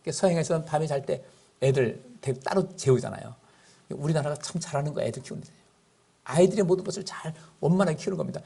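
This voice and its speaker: A man's voice: on the high side, vocal fry, darkish tone, husky. A middle-aged male pastor preaching a sermon in a conversational way, often asking the congregation questions.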